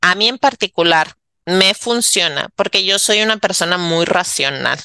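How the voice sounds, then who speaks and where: Speaking at a fairly slow pace, a woman with a medium pitch and a bright, sharp tone is heard in a dry, close sound with no echo. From Mexico, Monterrey. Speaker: podcast host and regression therapist. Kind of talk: casual monologue.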